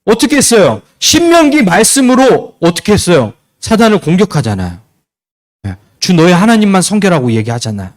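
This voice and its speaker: A man's voice: high voice, very animated, a little fast. A young adult man preaching to teenagers as their youth pastor, asking them questions and acting out little scenes. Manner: asks the students questions and acts out short scenes. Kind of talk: youth sermon.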